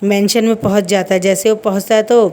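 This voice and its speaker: A woman's voice: mid-range voice, little pitch movement, a little fast, darkish tone. A woman casually retelling a fan story, repeating speech tags as she goes. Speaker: fanfiction story explainer.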